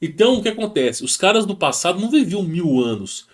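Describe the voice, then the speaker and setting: Very animated and a little fast, this channel host's voice sits high. He has a Brazilian Portuguese accent and reads a text aloud in a casual way, breaking off for slangy, rambling asides with lots of restarts, all from a home setup with rural internet.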